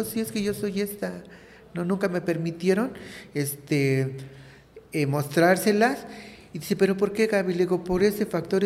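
A woman's voice: sits low, mellow. Earnest trans woman, echoey hall. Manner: earnest, rambling with many fillers. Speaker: interviewee. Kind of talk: candid personal testimony.

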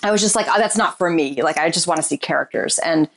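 A woman with a slightly low voice gives a candid, reflective interview about her work as a writer and performer. Her talk is loose and searching, full of "like" and "you know" as she works out her thoughts. She is a self-described introvert who still opens up easily. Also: fast, gravelly, a bit bright. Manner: describes herself as shy and introverted.

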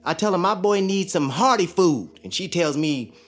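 A man's voice: sits high, lively intonation, normal speed. An earnest young father. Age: young adult. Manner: earnest, hopeful. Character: hopeful young enslaved father. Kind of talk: audio drama.

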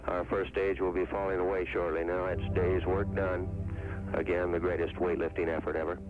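A man reporting flight progress over a crackly, breaking-up space radio transmission, even and matter-of-fact. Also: sits low, normal speed. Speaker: flight commentator. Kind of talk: mission commentary. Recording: tinny archival radio broadcast.

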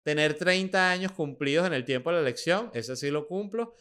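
A man's voice: fairly high pitch, expressive, brisk, a bit bright, clean tone. A young man with a Venezuelan accent hosting a podcast, chatting casually with joking, sarcastic asides. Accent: Venezuelan Spanish. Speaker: podcast host. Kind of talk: casual commentary.

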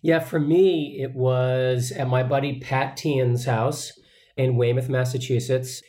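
A man from the Boston area, a voice actor guest, telling stories in a relaxed, reflective and rambling way. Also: medium pitch, takes it slowly. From Boston area, USA. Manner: reflective, rambling, many fillers and restarts. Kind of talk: relaxed storytelling in an interview.

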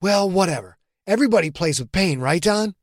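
A man's voice: sits high, lively intonation, a little fast, dry recording, clean studio sound, voice pushed up. A man voicing a young professional athlete who sounds eager and a little defensive. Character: young, brash male pro athlete.

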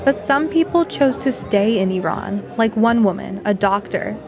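A woman reporter giving a measured, scripted news narration. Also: medium pitch, lively intonation, over music, crowd noise.

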